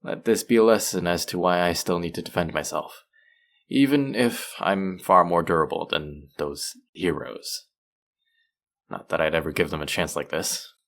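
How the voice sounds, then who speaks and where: A man playing a suave, manipulative supervillain in an intimate audio roleplay, measured and teasing, softly menacing yet tender toward his captive. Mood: teasing, calm. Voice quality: low, creaky voice.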